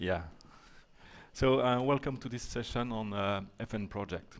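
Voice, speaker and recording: Here a man speaks in a French accent. He keeps a moderate pace and fairly even intonation. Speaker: conference speaker, software developer advocate. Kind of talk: conference talk. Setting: stage with audience. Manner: halting, many fillers.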